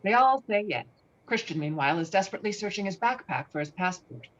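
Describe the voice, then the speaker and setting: A woman's voice: mid-range voice, expressive, fast talker. A woman narrating stage directions from a film script at a virtual table read. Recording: dull, lo-fi video-call audio.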